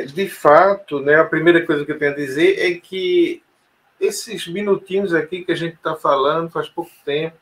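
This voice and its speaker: In a casual storytelling conversation, a male interview guest with a fairly high, slightly bright voice recounts a personal story. He sounds hesitant, full of fillers and restarts.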